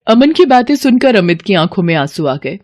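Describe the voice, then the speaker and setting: A woman reading a storybook tale in steady, measured narration. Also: medium pitch.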